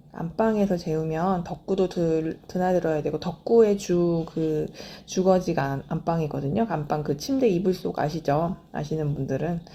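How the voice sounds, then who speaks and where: A soft-spoken woman's voice, fairly low-pitched, with a dark, mellow tone, ordinary pitch variation, a moderate pace and hardly any pauses. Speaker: knitting vlogger. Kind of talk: casual chat. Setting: home. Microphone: too quiet, may need boosting.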